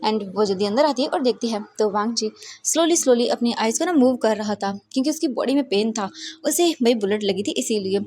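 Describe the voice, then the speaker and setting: A woman's voice: a little high, lively intonation, brisk, darkish tone, a little hiss or hum. A woman casually narrating her own fanfiction story, chatty and mixing in English words.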